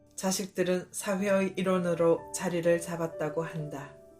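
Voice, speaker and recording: Music plays behind a woman speaking at medium pitch. Her intonation is monotone and flat. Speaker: recitation performer. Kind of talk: literary essay reading.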